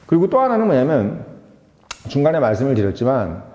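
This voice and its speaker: Man, political commentary, emphatic, rhetorical questions, lively swinging pitch, mellow tone, dull roomy sound with long reverb. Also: a little fast. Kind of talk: casual political commentary monologue.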